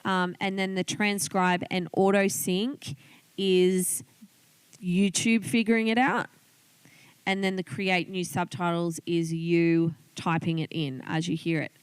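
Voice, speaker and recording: Smooth, low-voiced Australian woman teaching informally. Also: level tone, slow pace, no echo. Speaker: online business coach teaching video tips. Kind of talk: informal tutorial, talking through a screen demonstration.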